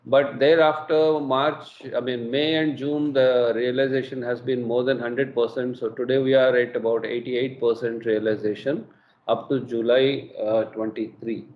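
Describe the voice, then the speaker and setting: A middle-aged man with an Indian English accent presents quarterly results on an earnings call, measured and full of hesitations. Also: medium pitch, little pitch movement, a little mellow. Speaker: company executive presenting results. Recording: echoey room with faint ambience.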